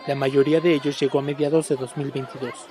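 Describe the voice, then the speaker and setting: A man's voice: mid-range voice, little pitch movement, fast. A man narrating a news report as field reporter. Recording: street crowd and noise behind.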